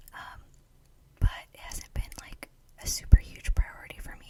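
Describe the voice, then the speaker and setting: A woman whispers over noticeable background noise. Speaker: ASMR creator. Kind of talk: ASMR makeup tutorial voiceover. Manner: whispered; chewing gum while talking.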